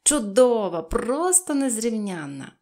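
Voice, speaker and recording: A woman's voice: fairly high pitch, lively intonation, normal speed, darkish tone, voice pushed up, close to an everyday voice. A woman voicing a bold, showy little girl. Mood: playfully grand. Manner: showy, exclaiming, playfully grand. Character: bold cheerful little red-haired girl.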